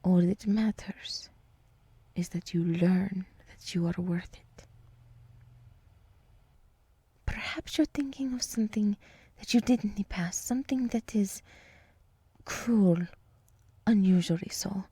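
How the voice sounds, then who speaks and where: A soft, slow-speaking deer woman, played by a woman in an ASMR roleplay. She half-whispers with a breathy, husky edge, close and dry. She is nurturing and encouraging, leaving soothing pauses between phrases. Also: medium pitch, no echo. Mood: reassuring. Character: gentle, nurturing deer woman, encouraging forest monster girl.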